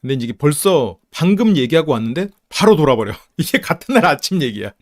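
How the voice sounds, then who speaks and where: A man hosting a psychology channel, giving casual commentary on a dating show and acting out quoted lines in quick bursts. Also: a little high, very animated.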